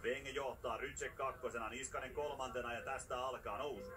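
A man giving live play-by-play commentary on a ski race, getting excited at the finishes. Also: medium pitch. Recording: distant, noisy TV broadcast capture.

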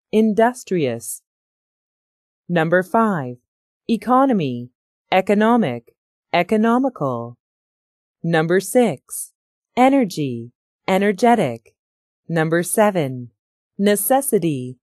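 A woman with a lower voice reads a word list aloud for learners to copy. She goes very slowly and moves her pitch up and down freely. The sound is dry and close. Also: no room sound. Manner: very slow, lively, drawn-out word reading. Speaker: recorded pronunciation model.

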